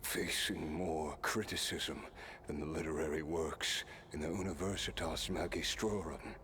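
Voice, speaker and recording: A man playing a weary, stoic immortal warrior in a video game, speaking in a measured, wry way. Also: a bass voice, steady tone, pushed and bright, slight background noise, heavily acted. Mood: wistful, reflective. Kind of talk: scripted game character dialogue.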